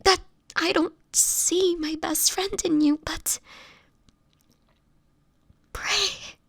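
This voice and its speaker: A woman playing a sickly, gentle, anguished vampire in an intimate audio roleplay, speaking in a breathy, often whispered voice with tender, halting, formal phrasing. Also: very high voice, fairly even intonation, no room sound, studio quality, full character voice. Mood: anguished, dreading. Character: sickly homeless young female vampire, gentle, anguished, self-sacrificing.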